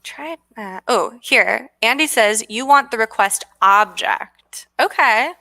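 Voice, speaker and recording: A woman's voice: on the high side, animated, slow pace, sharp tone, no echo. A woman co-hosting a live coding stream, chatty and bubbly, reading out comments from the chat.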